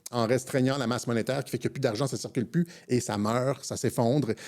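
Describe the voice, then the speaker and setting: A man speaks with a dark, mellow tone. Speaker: political commentator. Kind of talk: political commentary monologue. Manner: fast.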